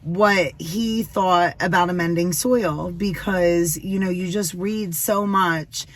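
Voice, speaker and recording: A woman's voice: on the low side, slow. Tired woman chatting about yard work. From Western North Carolina. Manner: chatty, tired, trailing fillers. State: tired, yawning. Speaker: landscaping business co-owner, vlog co-host. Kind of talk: casual end-of-day chat to viewers.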